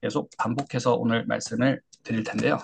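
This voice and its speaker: A man teaching English pronunciation in an online lecture, explaining step by step with frequent hesitation fillers and modeling words with exaggerated pitch. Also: steady tone, fast, creaky, a little hiss or hum.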